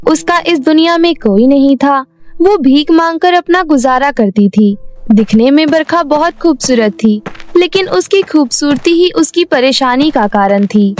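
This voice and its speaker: A woman narrates a children's story in a gentle, even way. Her voice is very high and light. Faint music plays underneath.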